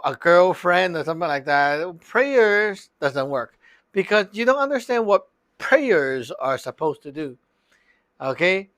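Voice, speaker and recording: Slow-talking man teaching in a dry room. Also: a little high, a bit bright, no echo. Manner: loose and chatty, peppered with "like" and "okay?". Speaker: Taoist teacher. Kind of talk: casual spoken lesson.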